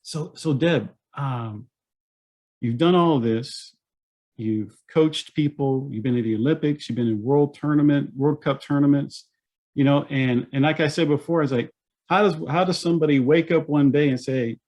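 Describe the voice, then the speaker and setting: A man's voice: a little high, normal speed, a little mellow. A man hosting an interview podcast, introducing his guest and asking questions in an upbeat, enthusiastic way with some fillers. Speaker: podcast host.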